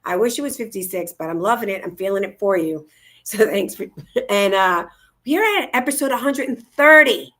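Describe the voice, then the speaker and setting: A woman's voice: medium pitch, animated, fairly quick, fairly bright tone. A woman co-hosting a casual livestream talk show from home on a video call, bubbly and gushing. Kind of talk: casual upbeat livestream chat. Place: home, indoors, in Florida.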